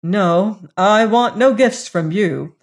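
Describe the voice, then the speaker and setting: A woman's voice: mid-range voice, slow pace. A woman voicing a proud, noble young gypsy woman from a pawnshop in an audiobook story, speaking in a grave, curt, self-controlled way. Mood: wrathful, proud.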